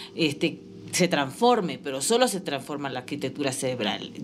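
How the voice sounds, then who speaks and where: A woman with a very deep, low pitch talks at a moderate pace with lively intonation. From Venezuela. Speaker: yoga teacher and studio founder. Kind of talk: casual interview.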